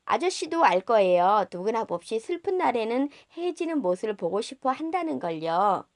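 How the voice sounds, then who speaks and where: A woman voicing the Little Prince, wistful and high. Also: big pitch swings, moderate pace, no room sound, studio quality. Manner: polite, simple childlike phrasing. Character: small wistful boy prince, innocent and polite.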